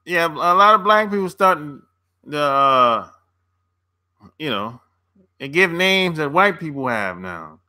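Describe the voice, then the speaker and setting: A man's voice: a little high, very animated, slow, long pauses, pushed and bright. A man hosting a casual livestream, answering viewer comments in a laid-back, slangy way and laughing often between remarks. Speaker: dating coach and channel host.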